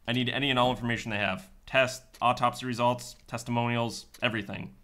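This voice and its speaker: Man playing a brisk, forceful male detective. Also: medium pitch, fairly even intonation. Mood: brisk, determined. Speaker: actor in a sci-fi radio drama. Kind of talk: radio drama acting.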